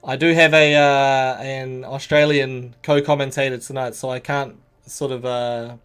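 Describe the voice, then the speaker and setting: A man from New Zealand with a New Zealand accent, casting a fighting game tournament and breaking into loud, excited calls. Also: medium pitch, unhurried, smooth. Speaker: esports caster.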